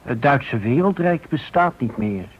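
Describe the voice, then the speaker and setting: A man giving solemn, sermon-like scripted radio narration, emphatic and rhetorical with dramatic pauses. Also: medium pitch, lively intonation, breathy edge. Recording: thin phone-like band, faint noise.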